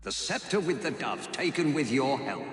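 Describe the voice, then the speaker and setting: An actor playing a boastful master thief in a video game cutscene, speaking in a theatrical, self-satisfied way. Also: male voice, mid-range voice, very animated, normal speed, natural voice. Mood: gloating. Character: boastful male master thief, gloating villain. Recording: reverberant hall with game music.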